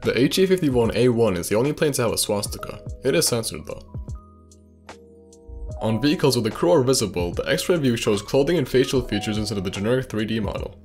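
A man's voice: mid-range voice, expressive, fast, a little mellow, soft background music. A man reading scripted narration for a video game trivia video.

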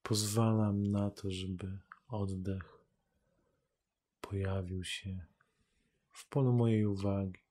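Slow, low-voiced man guiding meditation. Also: husky. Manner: calm, unhurried, measured, with long pauses. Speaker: meditation teacher. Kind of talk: guided meditation.

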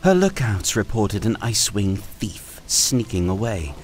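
A man's voice: on the low side, very animated, unhurried, pitched above the performer's own voice, poor audio. A man reading a fantasy storybook aloud, voicing a cruel, scheming female sand dragon queen who hisses her words with cold scorn.

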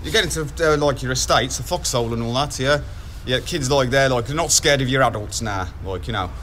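A man's voice: medium pitch, fairly quick, a bit bright, a little hiss or hum. A man in his forties with a Black Country accent, chatting bluntly and colloquially in a street interview. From Wolverhampton, England. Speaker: local resident being interviewed. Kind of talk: casual street chat. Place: outdoors on a town street.

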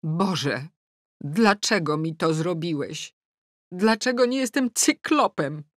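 In clean, echo-free studio sound, a middle-aged audiobook narrator reads a comic novel in the first person, taking her time. Her fairly low, expressive voice stays wry and self-deprecating, slipping into sulky mutters and bursting into exclamations.

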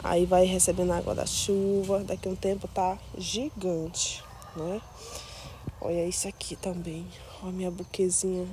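Woman, casual garden vlog, chatty and doting, mellow tone, phone mic outdoors. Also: lowish voice, level tone, normal speed, slight background noise. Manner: chatty and doting, coos over plants with diminutives. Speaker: plant vlogger. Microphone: phone held while filming.

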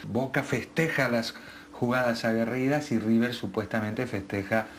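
A man's voice: mid-range voice, steady tone, normal speed. Man interviewee, hesitant, noisy background. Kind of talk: casual interview.

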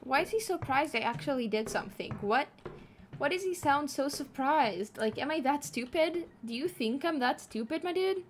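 A woman's voice: sits high, lively intonation, moderate pace, a little hiss or hum. A woman streaming live as a VTuber, chatting casually with her chat while playing a game, giggling often and swearing freely.

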